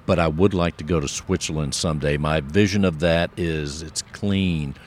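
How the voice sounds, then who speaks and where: A man's voice: very deep voice, steady tone, normal speed, slight background noise. A man hosting an interview show, chatty and enthusiastic, rambling a bit as he introduces his guest. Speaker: show host. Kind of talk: casual interview talk.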